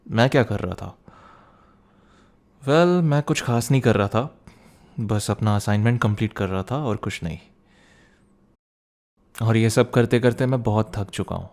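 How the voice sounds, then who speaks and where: A man playing a young student boyfriend, teasing and protective, in an intimate ASMR roleplay with a soft conversational delivery. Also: on the low side. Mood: caring, curious.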